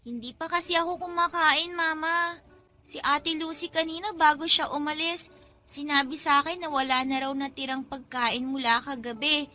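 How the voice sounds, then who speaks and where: Bright, very high-pitched little Filipino schoolgirl. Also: fairly even intonation, moderate pace. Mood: hungry, plaintive. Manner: childlike, polite, questioning. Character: innocent hungry young schoolgirl daughter. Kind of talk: Tagalog radio drama acting.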